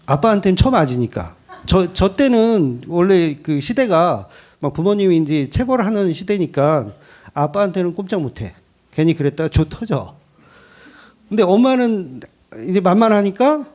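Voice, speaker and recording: A middle-aged male pastor preaching with a lively, swinging delivery and a mellow, dark tone. He talks candidly and pokes fun at himself between points, keeping the sermon conversational. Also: sits high, normal speed. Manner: candid, joking, self-deprecating preaching with laughs.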